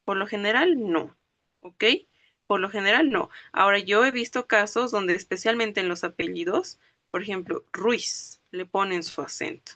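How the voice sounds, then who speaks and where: Bright-voiced woman teaching a language class. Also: mid-range voice, moderate pace, no echo. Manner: explains step by step, checks understanding with frequent questions; spells out words syllable by syllable. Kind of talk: online class lecture.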